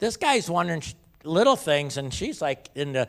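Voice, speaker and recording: On a very clean recording with a silent background, a man with a Wisconsin accent talks at a fairly quick pace, his fairly high pitch swinging very widely and showing vocal fry. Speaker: motivational speaker. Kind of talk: keynote speech.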